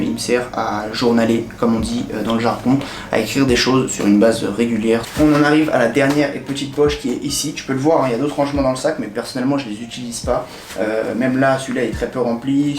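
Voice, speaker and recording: A young French man in a casual vlog, chatting directly to the viewer in a relaxed way with many hesitations. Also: mid-range voice, a little fast. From France. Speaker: vlogger. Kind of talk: casual talk to camera. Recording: echoey room with faint ambient noise.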